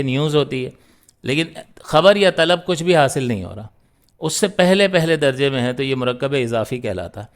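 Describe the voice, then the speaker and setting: A man's voice: a little high, smooth. A man teaching a grammar class, explaining step by step and answering his own questions. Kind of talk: grammar lesson.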